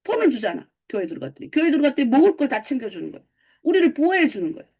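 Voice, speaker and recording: Woman, pastor, North Korean accent, high voice, lively sermon, asks and answers questions. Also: very fast, breathy edge. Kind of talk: early-morning sermon lecture.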